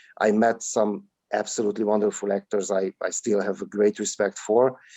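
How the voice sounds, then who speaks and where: At a moderate pace, a man with a Hungarian accent speaks in a fairly low pitch with monotone, flat intonation. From Hungarian community in Romania. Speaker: actor. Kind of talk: interview in a webinar. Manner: halting, many fillers.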